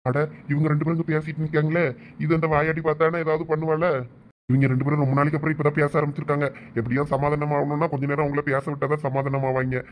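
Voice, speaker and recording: A man's voice: on the high side, little pitch movement, quick pace, slight background noise, close to an everyday voice. A man voicing a sly, coaxing young man. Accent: Thoothukudi Tamil. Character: scheming young man, the senior, playful and sly. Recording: dull lo-fi sound.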